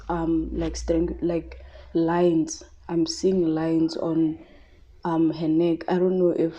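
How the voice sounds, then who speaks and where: Soft-spoken, hesitant woman. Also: low voice, highs cut off. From South Africa. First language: Tshivenda. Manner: hesitant, many fillers and restarts. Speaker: tarot reader. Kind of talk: casual psychic reading.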